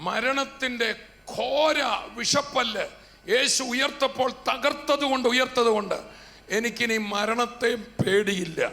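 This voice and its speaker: A man's voice: extremely high pitch, gravelly, pushed and bright. A man preaching a fervent sermon to a congregation, his voice swelling and falling. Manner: fervent, rising and dropping in volume. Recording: hall reverb with faint background noise.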